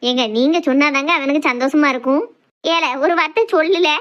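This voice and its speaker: A woman's voice: high-pitched, a little fast, muffled recording, close to an everyday voice. A woman voicing a fretting village mother, who consoles her family in a soothing way. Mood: earnest.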